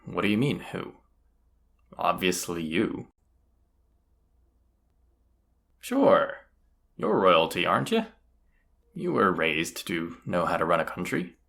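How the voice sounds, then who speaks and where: A man's voice: deep voice, big pitch swings, measured pace, vocal fry, long pauses, fairly bright tone, exaggerated voice. A man playing a cocky, teasing, commanding bandit leader in a roleplay audio drama, casual and swaggering. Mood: persuasive, teasing. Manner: casual, teasing, swaggering, rhetorical tag questions.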